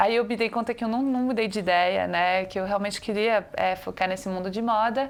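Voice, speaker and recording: Barely pausing, a woman with a non-native accent speaks at a medium pitch. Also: fairly even intonation, fairly quick pace. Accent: foreign accent in Portuguese. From Switzerland, Geneva. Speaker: communications executive. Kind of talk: interview. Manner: halting.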